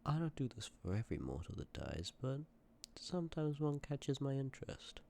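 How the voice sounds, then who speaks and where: A man playing a sympathetic, courteous Death in an ASMR roleplay, speaking with measured, formal politeness and often dropping toward a breathy whisper. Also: mid-range voice, big pitch swings, mellow. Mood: gentle, solemn. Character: sympathetic, courteous personification of Death, calm and ancient. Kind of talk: ASMR roleplay, scripted acting addressed to listener.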